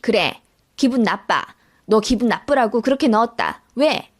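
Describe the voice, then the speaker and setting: A woman's voice: on the high side, animated, moderate pace. A woman voicing a grudging older mother-in-law in a radio-drama story, with curt, dismissive retorts. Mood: bitter.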